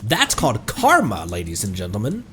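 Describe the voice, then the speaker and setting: A man's voice: on the low side, huge pitch swings, fairly quick, a bit bright, slight background noise. A man doing casual, goofy livestream commentary while he plays a video game. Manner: playful, goofy, often parrots game characters. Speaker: streamer.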